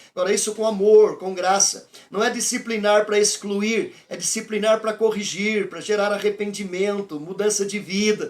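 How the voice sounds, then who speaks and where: A man's high-pitched, monotone voice with flat intonation at a moderate pace, over noticeable background noise. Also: hardly any pauses. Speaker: pastor teaching theology class. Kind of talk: lecture.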